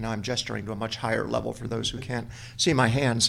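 Bright and sharp in tone, a man's voice carries vocal fry. He speaks at a very fast pace with monotone, flat intonation. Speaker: business executive and sports team owner. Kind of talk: interview.

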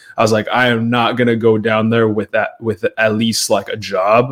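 A man speaks with a West Coast accent at a medium pitch. His pace is moderate. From Portland, Oregon. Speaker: comedian. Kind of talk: casual chat.

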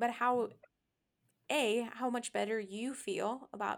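Speaking with an American accent, a woman uses a fairly high pitch and fairly even intonation. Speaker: podcast host. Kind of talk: casual interview conversation.

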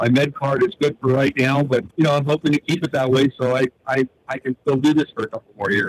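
An ordinary speaking voice from a man with an American accent, fairly high in pitch, moves at a fairly quick pace with fairly even intonation and hardly any pauses, in a dry, close sound with no echo. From US Northeast. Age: 60s. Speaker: truck driver. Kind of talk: casual chat.

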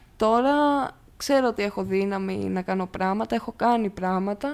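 A woman speaks in an unremarkable speaking voice at a fairly slow pace with ordinary pitch variation. The recording is very clean, with a silent background. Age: 20s. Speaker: survivor of domestic violence, hospitality worker. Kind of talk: testimony. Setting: studio.

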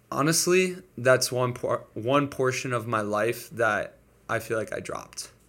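A man with an American accent talks in an ordinary speaking voice at a medium pitch. His pace is fairly slow, with ordinary pitch variation. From Detroit, Michigan. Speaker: college student. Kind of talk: interview.

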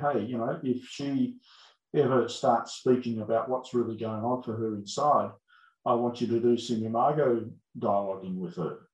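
Medium-pitched male speech with an Australian accent, a moderate pace and ordinary pitch variation. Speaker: lawyer and mediator. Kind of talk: casual interview chat. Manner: halting, with frequent repetitions.

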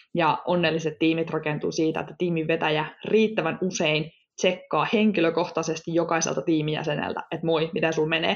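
A woman with an ordinary speaking voice talks at a fairly low pitch, a moderate pace and fairly even intonation. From Finland. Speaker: podcast host. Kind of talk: casual interview chat.

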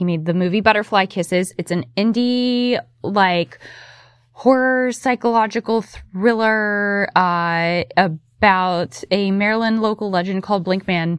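A woman speaks with an American accent at medium pitch. Her pace is fairly slow, with ordinary pitch variation. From West Virginia. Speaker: podcast host. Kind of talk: casual monologue, meandering chat. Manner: hesitant, frequent fillers; warm, chatty.

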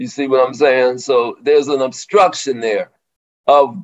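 A man talks with a fairly high pitch. His pitch varies in an ordinary way. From US Midwest (Cincinnati, Ohio). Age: 60s. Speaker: jazz musician and diet lecturer. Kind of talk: casual interview.

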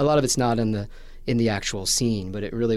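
A medium-pitched man with an American accent, with audible room echo. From US Midwest, southern Indiana. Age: 30s. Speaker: TV host and producer. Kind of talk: casual chat.

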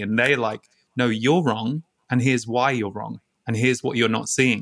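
Here a man speaks at a medium pitch. He talks with an English accent. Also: very clean recording, silent background. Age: 40s. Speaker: spiritual channeler and author. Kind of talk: casual interview.

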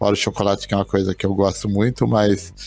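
A man talks in a fairly low voice. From rural Brazil. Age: 60s. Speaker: company founder and president. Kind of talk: interview. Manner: halting.

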